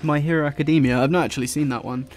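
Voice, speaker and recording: A man with an English accent softened by London, chatting casually and rambling while he draws, swearing now and then and dropping his t's. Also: on the high side, fairly even intonation, very fast, faint music behind. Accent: English, London-influenced. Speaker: YouTuber drawing on stream. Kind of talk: casual chat while drawing.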